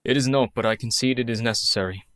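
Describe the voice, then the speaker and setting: An actor playing a skeptical doctor who argues calmly for rational explanations. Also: male voice, mid-range voice, fast, dry recording, studio quality, lightly acted. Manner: skeptical, reasoned.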